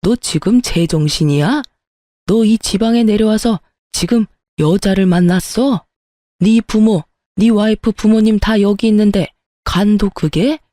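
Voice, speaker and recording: A woman's voice: medium pitch, a little slow, warm tone, no echo, clean studio sound, natural voice. A woman voicing a stern older father-in-law who scolds his cheating son and sends the mistress away. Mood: furious.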